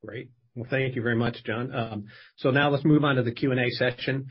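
A man's voice: medium pitch, steady tone, fairly quick, breathy edge. A man moderating an earnings call, informally giving housekeeping instructions for the question session. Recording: slightly dull video call audio.

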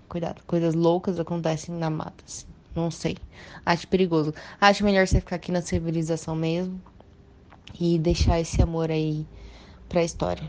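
A woman with a Brazilian accent and a somewhat low voice teases her friend. She gives mock-serious advice in a playful, easy chat. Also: a little mellow. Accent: Brazilian Portuguese. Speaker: podcast co-host. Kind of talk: casual chat.

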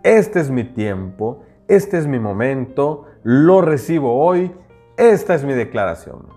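A man's voice: mid-range voice, sing-song, takes it slowly, mellow. A man from southern Veracruz with a Mexican accent, whose first language is Nahuatl, hosting a motivational spiritual podcast and speaking earnestly to the listener. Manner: earnest, speaks straight to the listener with repeated declarations. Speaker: podcast host, teacher. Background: faint background music.

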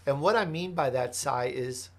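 A man's voice: medium pitch, moderate pace, a bit bright. A man from Chicago, a podcast host answering interview questions in an earnest, emphatic way, building his points through lists. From Chicago, United States.

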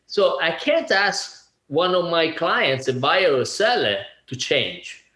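A man's voice: on the high side, sing-song, takes it slowly, sharp tone. A man around sixty from Italy, a guest talking casually in an interview with lots of laughs and restarts. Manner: chatty, laughing, many fillers and restarts. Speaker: guest, real estate agent. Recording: echoey room.

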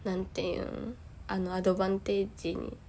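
Woman, Kansai accent, casual podcast chat, lively storyteller, faint background hiss. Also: mid-range voice, brisk. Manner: animated storytelling, acts out quoted lines. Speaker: podcast co-host. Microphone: remote recording.

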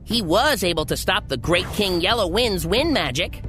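A woman's voice: on the low side, animated, moderate pace, music in the background, natural voice. A woman voicing a bold, demanding male monkey king in a storybook reading.

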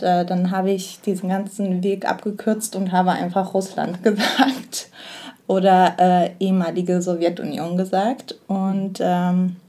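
A woman's voice: lowish voice, dark tone. A young woman from Armenia co-hosting a podcast, speaking thoughtfully with many hesitations. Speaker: podcast co-host. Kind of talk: casual podcast chat.

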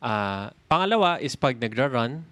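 A man's voice: medium pitch, very animated, normal speed, a bit bright, dry recording. A Filipino man co-hosting a podcast in casual chat, enthusiastic and joking as he mixes English into his Tagalog. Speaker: podcast co-host.

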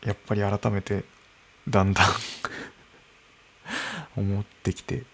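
A man in his early thirties talking alone into a microphone in his room, slow and musing, with soft laughs. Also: on the low side, level tone, creaky, a little hiss or hum. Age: early 30s. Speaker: podcast host. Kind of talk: unscripted solo podcast talk. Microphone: podcast microphone.

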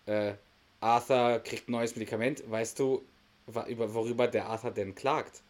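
A man's voice: medium pitch, steady tone, moderate pace. A man hosting a podcast, casually retelling a sitcom episode, often laughing and acting out the characters' lines. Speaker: podcast host.

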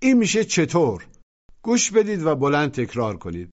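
A man's voice: fairly high pitch, wildly swooping pitch, a little mellow. A man teaching a language lesson, patiently prompting listeners to repeat after him. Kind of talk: instructional narration. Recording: muffled lo-fi audio.

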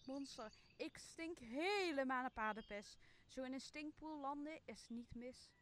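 A woman's voice: high voice, unhurried, a bit bright, slight background noise. A woman acting a foolish, greedy drunken companion in a comic Shakespeare radio play, whining and exclaiming. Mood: indignant, whining.

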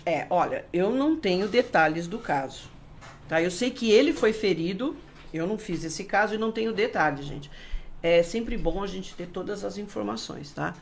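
Middle-aged Brazilian woman, forensic expert guest; lively, gravelly delivery. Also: mid-range voice, normal speed, a little hiss or hum. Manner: animated, explanatory, acts out quoted speech. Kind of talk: casual interview talk.

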